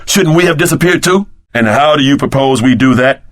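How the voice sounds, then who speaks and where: A man playing a brash, loyal tough-guy sidekick in an action video game, with slangy, streetwise, expressive delivery. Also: mid-range voice, a little fast, no echo, lightly acted. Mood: skeptical, wary.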